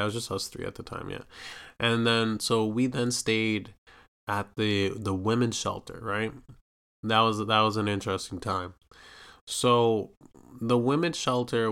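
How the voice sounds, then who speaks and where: This young man from Canada, hosting a podcast, tells a wandering personal story full of swearing and filler tags, animatedly voicing the people he quotes. He speaks in a lowish, clean voice that is a bit bright.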